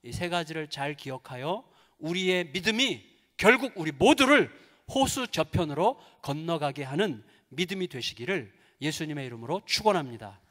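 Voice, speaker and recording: A male pastor preaching a sermon in a church, telling a story with lively acted-out quotes and prayers. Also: fairly high pitch, moderate pace. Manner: animated storytelling, acts out quoted prayers and dialogue. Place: large church sanctuary. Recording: long hall reverb in church.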